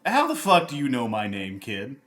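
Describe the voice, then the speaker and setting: A man voicing a menacing, weary oni crime enforcer in a low gravelly growl, slow and condescending, in a tabletop game. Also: huge pitch swings, a bit bright. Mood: gruff, irritated.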